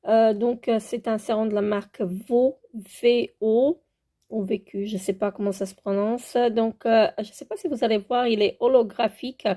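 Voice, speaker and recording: A woman's voice: on the high side, steady tone, moderate pace, hardly any pauses, mellow. A woman with a French accent showing her skincare products in a casual vlog, hesitant and full of filler sounds, moving around as she handles them. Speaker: beauty vlogger. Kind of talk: casual product show-and-tell.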